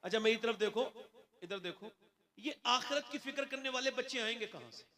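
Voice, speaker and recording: A man from India preaching a fiery religious sermon, moving from soft asides to impassioned shouting and questioning his audience. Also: very high voice, fairly quick. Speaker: Islamic preacher. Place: stage at a large religious gathering.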